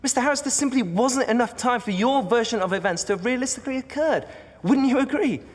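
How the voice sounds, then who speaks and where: An actor playing a composed, probing defence barrister in a television drama, with formal, precise questioning. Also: male voice, very high voice, animated, fast, in a large hall. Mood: forceful, accusing. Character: composed, probing male defence barrister, sharp in cross-examination. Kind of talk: television courtroom drama acting.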